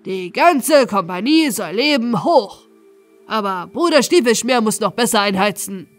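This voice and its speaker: A woman voicing a boisterous, commanding male robber captain in a storybook reading, hearty and loud. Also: fairly high pitch, lively intonation, a little slow, soft background music. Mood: boisterous, rousing. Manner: loud, jovial, commanding exclamations. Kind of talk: storybook character voice in an audiobook.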